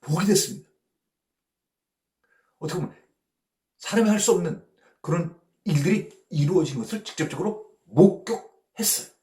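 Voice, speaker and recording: A male pastor teaches a Bible study in a relaxed, conversational way. He often checks in with his listeners through short tag questions and chuckles lightly between points. His pitch swings widely, and the recording carries a noticeable room echo. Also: normal speed, pauses often.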